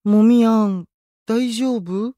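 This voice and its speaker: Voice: mid-range voice, slow pace, mellow, a little hiss or hum, natural voice. An actor playing an easygoing young male idol in an audio drama, chatting casually in a Kansai accent. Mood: gently excited. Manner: casual, friendly dialect speech. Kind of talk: Japanese audio drama acting.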